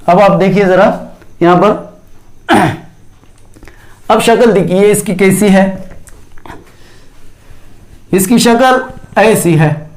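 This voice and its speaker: A man teaching a grammar lesson, spelling words out syllable by syllable and asking himself questions as he goes. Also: high-pitched. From India.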